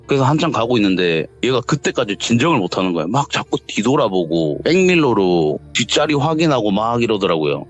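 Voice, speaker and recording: Low-voiced man telling a lively ghost story. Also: a little fast, few pauses. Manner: animated, acts out the voices in quoted dialogue. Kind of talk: casual spoken storytelling. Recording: dull lo-fi audio with faint background music.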